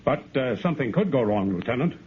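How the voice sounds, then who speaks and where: A cautious senior army officer, played by a man, questions his men in a measured way with a lively pitch. It sounds like a thin, tinny 1950s broadcast with light hiss. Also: natural voice. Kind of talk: 1950s radio drama acting.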